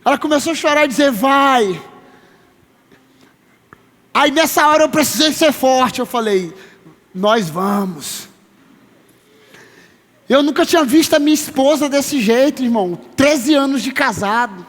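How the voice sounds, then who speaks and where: A man in his thirties preaching a sermon as pastor, emphatic, slowing down to stress his words and calling listeners brother. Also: extremely high pitch, a bit bright. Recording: long reverb of a large hall.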